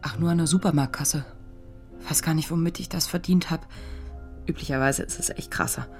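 A wry, worn woman in her thirties for a radio drama. Her voice sits fairly low. She talks casually and hesitantly, understating everything with dry frankness. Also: brisk, soft background music. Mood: weary, dry. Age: 30s. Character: frazzled, wry woman of 32 thrown between strange situations. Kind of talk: naturalistic German radio drama acting.

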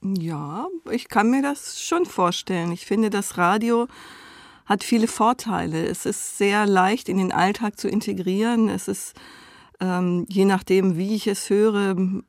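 Mid-pitched female guest, dry close sound, reflective conversational answers, informal and thoughtful. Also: a little slow, no room sound. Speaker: interview guest.

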